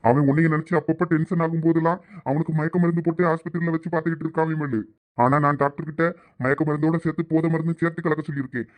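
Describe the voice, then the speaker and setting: Guy doing a nasty scheming captor, mocking and threatening, quick talker. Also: on the high side, darkish tone, close to an everyday voice. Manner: taunting, menacing. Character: cruel scheming male captor. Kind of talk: audio drama acting.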